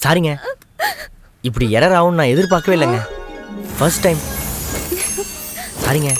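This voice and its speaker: A man's voice: on the high side, normal speed, over music, natural voice. A man acting a bashful, flustered comic lead in a film comedy, speaking with a Tamil accent.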